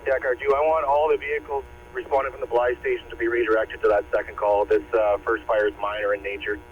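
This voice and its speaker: A man's voice: medium pitch, level tone, fast talker. A male firefighter giving terse procedural radio traffic over a two-way radio. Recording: muffled radio scanner, very loud noise.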